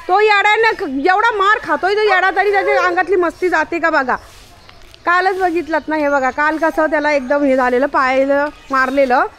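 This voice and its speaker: A woman, vlogging at home and scolding her pet dog in a loud, chiding way. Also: extremely high pitch. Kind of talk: casual home vlog.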